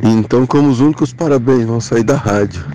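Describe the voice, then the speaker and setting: In an ordinary speaking voice, a man at medium pitch talks at a fairly quick pace with ordinary pitch variation. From sertão of Pernambuco, Brazil. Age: 50s. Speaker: radio listener sending voice message. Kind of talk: casual voice message.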